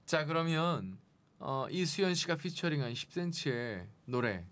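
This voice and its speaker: A man from the Jeolla region hosting a radio talk show in a studio, speaking softly and in a relaxed way. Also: fairly high pitch, unhurried. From South Jeolla or North Jeolla, South Korea. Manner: soft-spoken, relaxed, reads listener messages aloud. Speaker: radio host. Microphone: studio microphone.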